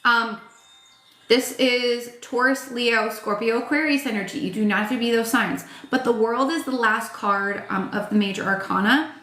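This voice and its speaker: Fairly high in pitch, pushed and bright, this thirtysomething woman's voice is tired and starting to crack as she gives a casual tarot reading at normal speed. She talks frankly, curses, and uses lots of "like" and "um." The room sounds roomy.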